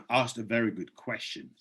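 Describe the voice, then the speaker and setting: Hosting a live presentation over a video call, a man reads out questions from the chat and answers them in an urging, persuasive way. His mid-range voice swings widely in pitch, moves a little slowly, and is turning hoarse as he loses it.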